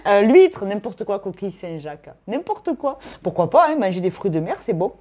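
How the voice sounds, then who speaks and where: Chatty woman reading tarot, mellow voice. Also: medium pitch, sing-song, normal speed. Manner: chatty, thinks aloud, frequent tag "hein". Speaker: tarot reader. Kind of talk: casual tarot and astrology reading.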